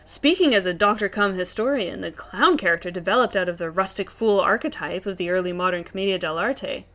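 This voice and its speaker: A woman's voice: mid-range voice, a little fast, a bit bright, lightly acted. A woman playing a pompous, detached, over-intellectual doctor who lectures in a comedy sketch. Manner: pompous, academic.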